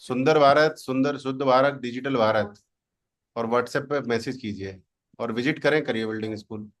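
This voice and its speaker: A man leading an online class as a digital marketing coach, boastful and teasing, who slips English words into his Hindi. He speaks at an ordinary middle pitch. His voice comes through a computer mic on a video call. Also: normal speed. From India. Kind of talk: live online class demo.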